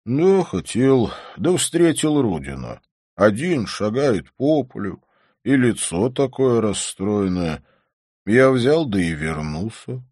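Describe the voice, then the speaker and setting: A man reading does an easygoing friend who teases and soothes, his pitch lifting and dancing playfully. The sound is dry and close to the mic. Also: big pitch swings, slow pace, darkish tone, no echo, heavily acted. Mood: puzzled. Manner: coaxing, joking, lightly raised. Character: easygoing, teasing male friend, calm and wry.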